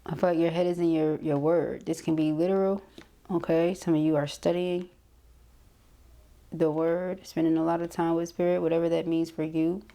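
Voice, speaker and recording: A woman's voice: deep voice, level tone, normal speed, mellow. A woman giving a casual tarot reading, talking conversationally to the listener and often checking in with short tags. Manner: conversational, punctuated with frequent check-in tags like okay and right. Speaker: tarot card reader.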